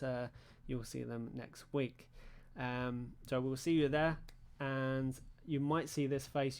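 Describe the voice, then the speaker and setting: A man from Britain hosting a league stream recap in a casual, rambling way, full of fillers and restarts. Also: a little mellow. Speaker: league show host. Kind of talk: casual stream wrap-up commentary. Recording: low-volume audio from his end.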